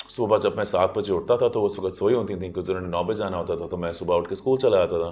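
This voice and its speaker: Fairly low in pitch, a man talks with fairly even intonation and hardly any pauses. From US, New York. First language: English (speaking Hindi). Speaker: fashion designer. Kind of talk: interview. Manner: code-switching Urdu and English, with many fillers.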